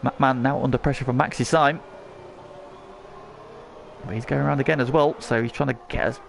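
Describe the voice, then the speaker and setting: A man's voice: medium pitch, steady tone, fairly quick, vocal fry, a little hiss or hum. A man working as lead motorsport commentator on a race, calling the action in short present-tense phrases.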